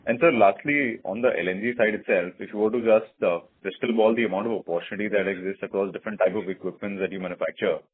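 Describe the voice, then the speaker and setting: Quick, husky male analyst. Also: fairly low pitch, dry recording. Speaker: financial analyst asking questions. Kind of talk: earnings call questioning. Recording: dry, narrowband phone line.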